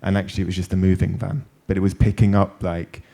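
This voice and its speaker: A man's voice: low voice, flat delivery, quick pace, vocal fry, mellow. A man moderating a panel discussion, asking questions and telling anecdotes in a thoughtful, loosely phrased way. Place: panel event.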